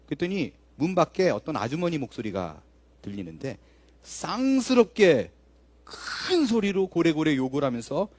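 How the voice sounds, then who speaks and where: A high-pitched male pastor in his fifties tells a story from the pulpit, chatty and vivid, acting out the scene as he goes. His voice is close and dry, with no room echo. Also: big pitch swings, normal speed, darkish tone. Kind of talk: sermon storytelling.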